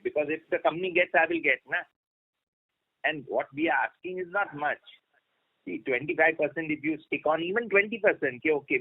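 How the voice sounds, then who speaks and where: A man's voice: a little high, breathy edge. An Indian-accented man, a shareholder on an earnings call, informally and insistently pressing his point over the phone. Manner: insistent, repetitive. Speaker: shareholder asking questions. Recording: narrow tinny phone line.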